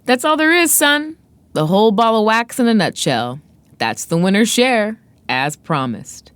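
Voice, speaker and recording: A woman's voice: mid-range voice, lively intonation, a little slow, a bit bright, smooth, no echo, pitched above the performer's own voice. A woman voicing a grinning, blustering fat white promoter with a falsely jovial drawl. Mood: smug.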